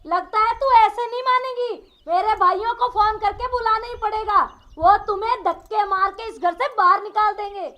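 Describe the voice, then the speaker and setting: Performer doing a cartoon old mother-in-law, very high-pitched, bright, nagging, quarrelsome. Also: normal speed, few pauses. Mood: scolding.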